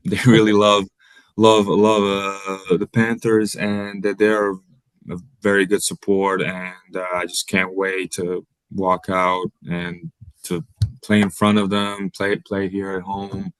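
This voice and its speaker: A young man from Bosnia, Bosnian native, speaking English as a college basketball player in an interview, halting and repeating words as he searches for them. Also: low-pitched, level tone, clear, resonant tone, no room sound. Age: young adult. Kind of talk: interview answers.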